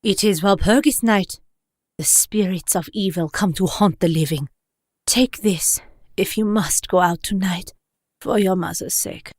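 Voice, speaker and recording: Superstitious innkeeper's wife in a radio play, a woman plays her, husky and solemn, close and dry. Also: mid-range voice, no room sound, lightly acted. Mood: pleading. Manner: grave, pleading, slow warnings. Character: superstitious, devout innkeeper's wife, fearful and pleading.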